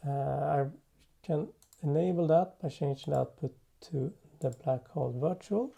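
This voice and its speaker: A man talks through a software demo at a slow, unhurried pace. His voice is very dark and soft-edged, with a gravelly creak. He pauses and thinks aloud as he goes, like a presenter working live without a script. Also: medium pitch. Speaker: tutorial presenter. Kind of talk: unscripted software demo narration.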